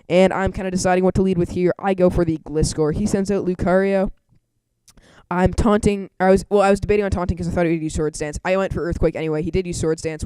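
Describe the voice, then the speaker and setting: A man giving casual voice-over commentary on his online game battles, chatty and quick to laugh at his own frustration. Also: high-pitched, mellow, clean tone, no room sound. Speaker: channel host.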